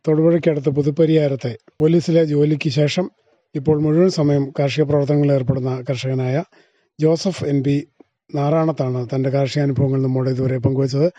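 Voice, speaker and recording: Very mellow, quick male interviewer. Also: fairly high pitch, steady tone, no room sound. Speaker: radio interviewer. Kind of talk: radio interview questioning. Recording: dull, muffled radio recording.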